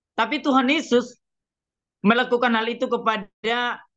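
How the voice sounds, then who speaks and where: Against a quiet background, a man projects a raised voice. His tone is bright and sharp. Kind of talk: webinar lecture. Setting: video call. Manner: conversational, uses filler tags.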